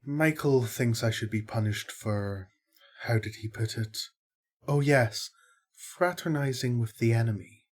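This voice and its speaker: A man playing a kindly, fair-minded archangel in an audio drama, explaining things in a measured, wry way. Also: medium pitch, close to an everyday voice.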